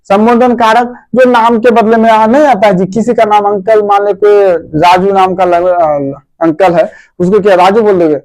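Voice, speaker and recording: Guy a pretty high voice teaching grammar, fatherly, keeps calling students his dear kids, asks himself questions and answers. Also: steady tone, moderate pace, a little mellow. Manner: fatherly, repetitive, addresses students as dear children. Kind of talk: informal grammar lesson.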